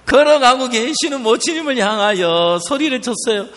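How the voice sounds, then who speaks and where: A man preaching a sermon, telling a story and acting out the people in it in lively voices. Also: very high voice, normal speed. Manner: animated storytelling, acting out an elderly mother's stubborn replies. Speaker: pastor. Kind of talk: sermon with acted-out anecdotes. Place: church sanctuary. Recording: long reverb of a church hall.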